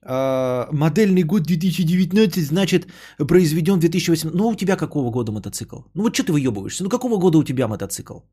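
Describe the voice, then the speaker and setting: Husky mellow-voiced man ranting profanely. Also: on the high side, animated, racing, few pauses. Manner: rambling, profane, worked-up ranting. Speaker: podcast host talking to his chat. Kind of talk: casual livestream chat.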